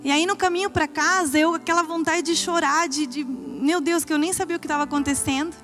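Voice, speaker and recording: A young woman with a high, bright voice tells her church testimony in an earnest storytelling way, acting out what she once said. Soft music plays faintly behind her. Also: fairly even intonation, brisk. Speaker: pastor's wife giving testimony.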